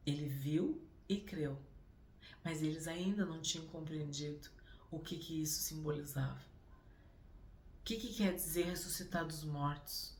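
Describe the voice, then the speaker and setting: A woman's voice: sits low, a little mellow, echoey room. A woman giving a Bible reflection, speaking with emphasis and repeating phrases for effect. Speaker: Bible teacher.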